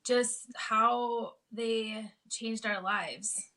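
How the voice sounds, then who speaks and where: A woman's voice: a little high, steady tone, very slow, pushed and bright, poor audio. A nervous woman as a guest on a live chat, hesitant and full of restarts. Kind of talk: casual chat.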